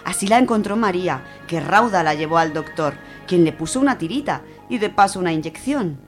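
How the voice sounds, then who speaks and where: Woman from spain accent, lowish voice, casual radio chat n poem reading, bit of music behind. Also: animated, fairly quick. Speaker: radio show contributor.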